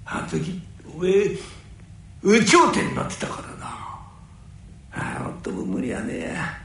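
A man playing a gruff but caring older nori wholesaler who speaks in rough downtown slang. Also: fairly high pitch, huge pitch swings, unhurried, fairly bright tone, exaggerated voice. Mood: remorseful. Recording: very echoey room.

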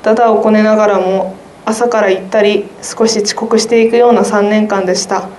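A woman's voice: medium pitch, fairly even intonation, a little fast, a little mellow. A teenage girl, a student guest, reading her own essay aloud in a careful, earnest way. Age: teens. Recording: roomy sound with faint noise.

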